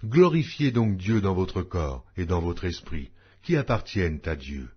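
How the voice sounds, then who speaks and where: A man's voice: sits low, very animated, measured pace, husky. A man narrating a Bible audiobook in a solemn, declamatory way, reading scripted text with emphatic phrasing. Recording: dull, lo-fi audio.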